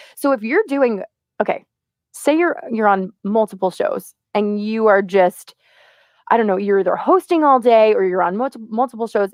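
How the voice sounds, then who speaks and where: A woman's voice sounds strained, with lively intonation. She keeps a moderate pace. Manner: restrained, pulling fry back.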